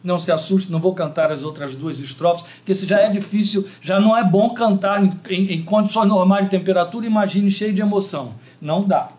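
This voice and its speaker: Brazilian male pastor, high cracked voice; emotional sermon, talks to the flock like old friends. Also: fairly quick, few pauses. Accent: Brazilian Portuguese. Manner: warm, chatty asides to the congregation, emotional.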